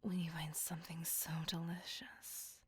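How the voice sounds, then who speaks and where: A woman's voice: deep voice, level tone, measured pace, husky, heavily acted. A woman voicing a polite, possessive female vampire in an ASMR roleplay, speaking formally and often whispering close to the mic. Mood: whispered yearning. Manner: formal, courteous old-fashioned speech; whispering intimately. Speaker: voice actor.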